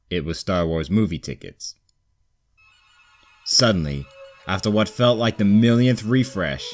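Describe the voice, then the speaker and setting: Male narrator for a comedic fan fiction reading, low-pitched, over a light music bed. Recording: background music under the voice.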